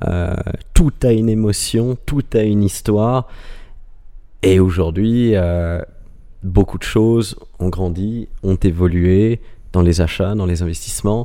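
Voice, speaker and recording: A man at a fairly low pitch, very slow pace, long and frequent pauses, and ordinary pitch variation. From Geneva, Switzerland. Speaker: supercar collector and businessman. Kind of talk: casual interview chat.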